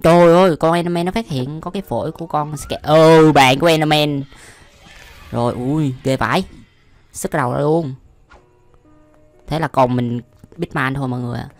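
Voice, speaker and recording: A man's voice: fairly high pitch, normal speed, long pauses. Young man reacting casually over music. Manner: exclaims often, giggles while commenting. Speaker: YouTube host reacting to animations. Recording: music behind the voice.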